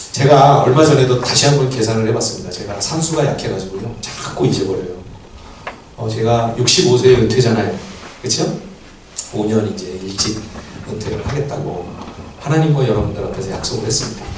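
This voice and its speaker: A man at a medium pitch with ordinary pitch variation, a fairly quick pace broken by long, frequent pauses, plus audible room echo and noticeable background noise. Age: 50s. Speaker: pastor. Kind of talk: sermon. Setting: church.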